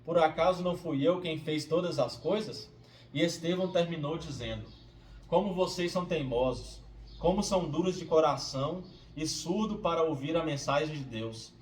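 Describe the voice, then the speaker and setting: A man reading a Bible passage aloud and then reflecting on it as a devotional host, in a steady reading manner that turns quiet and conversational. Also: a little high, moderate pace. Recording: roomy, distant from the mic, faint hiss.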